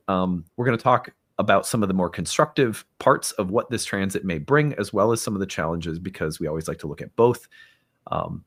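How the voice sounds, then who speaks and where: Guy hosting his show, kinda low voice, earnest upbeat pitch, dry close mic. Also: husky, no echo. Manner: earnest and upbeat, with some fillers. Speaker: host. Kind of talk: casual talk and fundraising appeal.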